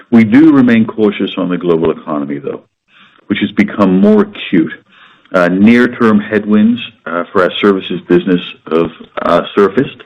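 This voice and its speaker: A man with a very deep voice, croaky from a sore throat, delivers business results in a measured, matter-of-fact way. The sound is dull and muffled, as if carried over a conference line. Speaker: company executive. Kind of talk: earnings call remarks. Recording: muffled conference-call audio.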